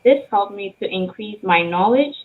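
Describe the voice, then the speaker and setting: A woman's voice: medium pitch, expressive, moderate pace. Young woman from Ethiopia, student archivist, careful read-aloud speech, tinny phone-quality audio. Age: young adult. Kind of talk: prepared speech.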